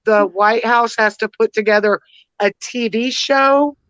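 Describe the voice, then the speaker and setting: A woman's voice: fairly high pitch, measured pace, a bit bright, dry recording. Emphatic woman on a dull call line. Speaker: co-host. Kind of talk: casual livestream chat.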